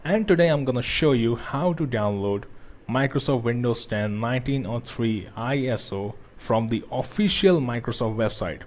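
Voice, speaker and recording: A young man who is not a native English speaker, talking through a computer tutorial with grammar slips and frequent pauses. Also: medium pitch. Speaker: tech tutorial host. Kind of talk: screen-recorded tutorial.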